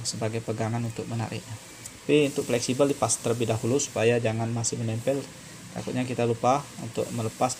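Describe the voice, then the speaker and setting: A man's voice: mid-range voice, a little mellow. A man giving an informal hands-on repair tutorial, explaining step by step in a hesitant, repetitive way. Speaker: phone repair tutorial presenter. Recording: noisy home-made recording.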